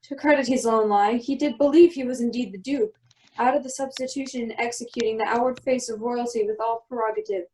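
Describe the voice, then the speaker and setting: A solemn, commanding exiled wizard duke and protective father, played by a woman with a high voice. The delivery is measured Shakespearean storytelling for an amateur radio play. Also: fairly even intonation, mellow, close to an everyday voice, low-quality recording. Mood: grave, insistent.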